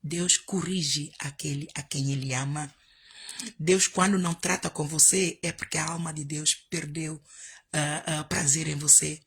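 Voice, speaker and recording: A woman's voice: sits low, fairly even intonation, measured pace, fairly bright tone, husky. A woman pastor preaching, telling a story and repeating her points with emphasis. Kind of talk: storytelling sermon.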